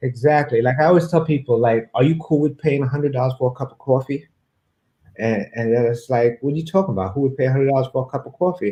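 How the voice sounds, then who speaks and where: A man with a Brooklyn accent, somewhat breathy, very fast, with ordinary pitch variation. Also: medium pitch for a man. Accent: New York, Brooklyn. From Flatbush, Brooklyn, New York. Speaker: real estate investor and broker. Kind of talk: casual interview chat.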